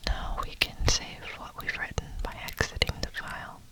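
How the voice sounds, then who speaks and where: A person whispering close to the ear in an unvoiced ASMR tutorial style, with deliberate delivery, as a programming instructor. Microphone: close ear-to-ear stereo microphone. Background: computer keyboard typing.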